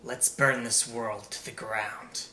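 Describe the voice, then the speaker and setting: A man voicing a sad, desperate disembodied male voice craving revenge, speaking slowly and gently. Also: mid-range voice, fairly even intonation, roomy sound, slight background noise, voice pushed down. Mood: brooding. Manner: slow, soft, gentle.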